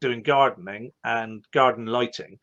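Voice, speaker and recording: A man with an Irish accent speaks against a quiet background. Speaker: marketing coach and show host. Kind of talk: live online Q&A discussion.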